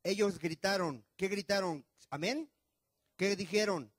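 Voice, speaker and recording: A man preaching a sermon as pastor, firing questions at the congregation and swinging between loud and soft. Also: high-pitched, unhurried, no room sound. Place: church.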